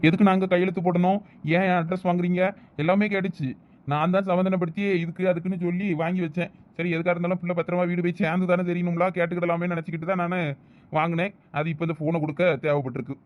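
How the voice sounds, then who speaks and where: A man plays a chatty middle-aged police officer in a cartoon, with a Thoothukudi Tamil accent. He speaks very fast and in a high voice, and he explains everything in long stretches. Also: narrow, tinny audio, close to an everyday voice. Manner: rapid, chatty, explaining at length. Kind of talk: cartoon voice acting.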